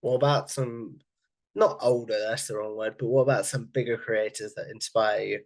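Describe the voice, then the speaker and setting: A man's voice: fairly low pitch, fairly even intonation, normal speed, gravelly. A man hosting an interview, asking long questions and rephrasing himself carefully as he goes. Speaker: podcast host.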